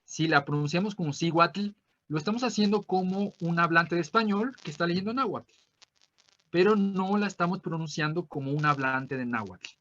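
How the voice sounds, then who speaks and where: A man with a Mexican accent teaching an online language class, explaining things with frequent tag questions and slowly repeating words to model their pronunciation. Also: on the high side, fairly bright tone, muffled recording. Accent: Mexican Spanish.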